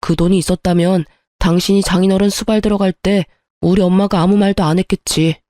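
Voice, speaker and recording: A bitter, grasping ex-husband who keeps accusing and defending himself, as a woman reader puts him on. The voice is mellow and low-key, and the recording is dry and close with no room sound. It is the dialogue of a read-aloud story. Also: steady tone, fairly quick, dry recording, natural voice. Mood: defensive. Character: bitter greedy ex-husband, adult man. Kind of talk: storybook narration with acted dialogue.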